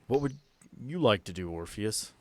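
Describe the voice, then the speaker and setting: A man's voice: on the low side, expressive, normal speed, darkish tone, no echo. A man narrating a tabletop role-playing game as game master, telling the story in an improvised, conversational way.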